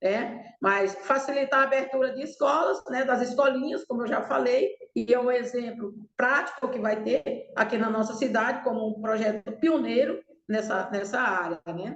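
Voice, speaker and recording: This woman talks at a moderate pace in a high voice, with ordinary variation in pitch. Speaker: waste picker cooperative leader. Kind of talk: webinar talk.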